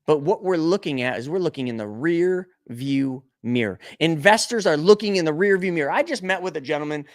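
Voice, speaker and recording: A man's voice: fairly high pitch, lively intonation, a little fast, dry recording, clean studio sound. A man co-hosting a finance news show, delivering an angry, sarcastic, profanity-laced rant. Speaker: podcast co-host. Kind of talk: heated finance news commentary.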